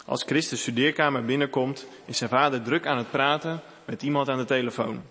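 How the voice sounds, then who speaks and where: A man reading a children's story aloud in a clear, expressive way. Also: mid-range voice, fairly quick. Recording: echoey room with faint hiss.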